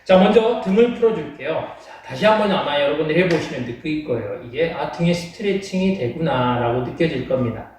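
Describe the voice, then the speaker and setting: Male home-workout instructor, fairly high voice, courteous and encouraging explanations, distant roomy sound. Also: animated, a little fast, hardly any pauses, a little mellow. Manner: polite, encouraging, checks in with followers. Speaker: home training fitness instructor. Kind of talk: exercise class instruction, explaining to viewers. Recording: very echoey room, distant from mic.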